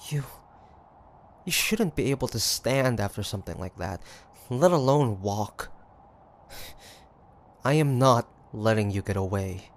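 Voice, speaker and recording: A man playing a cocky, stubborn demon hunter of the 1850s in a dramatic audio roleplay, theatrical and halting. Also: lowish voice, animated, a little hiss or hum. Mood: shocked. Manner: theatrical, taunting, halting with sighs and pauses.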